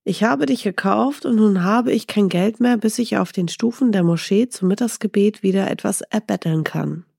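A woman's voice: mid-range voice, moderate pace, vocal fry, hardly any pauses, a little mellow, husky, no echo, clean studio sound. A woman voicing a poor, ragged male beggar in a storybook, who sounds fretful and doubtful. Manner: fretful, questioning.

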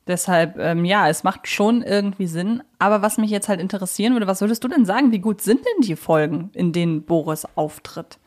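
Woman, mid-range voice, podcast host, conversational, analytical, deliberate phrasing. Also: medium pitch, a little mellow. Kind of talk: casual podcast discussion.

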